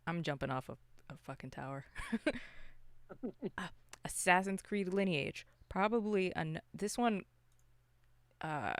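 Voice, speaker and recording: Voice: mid-range voice, animated, slow pace, long pauses. A podcast co-host chatting casually about films in a loose, rambling, unscripted way. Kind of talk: casual unscripted film discussion.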